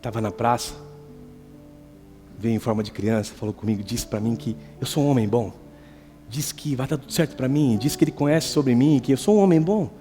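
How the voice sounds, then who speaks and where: A man voicing a calm, kindly old man who speaks slowly and softly. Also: medium pitch, close to an everyday voice. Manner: slow, gentle, soft. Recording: reverberant church hall, faint guitar.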